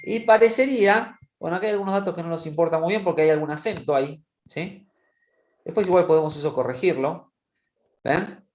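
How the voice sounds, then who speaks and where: A man's voice: fairly high pitch, fairly quick, a little mellow. A male teacher walking students through a spreadsheet exercise in an online class, patiently checking in with them as he goes. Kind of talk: online class screen-share demonstration. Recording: roomy echo.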